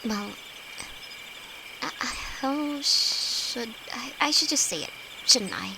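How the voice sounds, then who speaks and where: A woman's voice: sits high, animated, full character voice. A woman playing a timid, affectionate young apprentice alchemist in an intimate fantasy audio roleplay, speaking hesitantly to her best friend. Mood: nervous confession. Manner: hesitant, halting, soft-hearted. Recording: noisy, with night insects behind. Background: crickets and night forest ambience.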